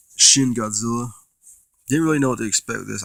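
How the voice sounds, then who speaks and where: The speaker is male. Pitch variation is ordinary. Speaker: movie collector vlogger. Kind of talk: casual haul video monologue. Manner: casual, profane.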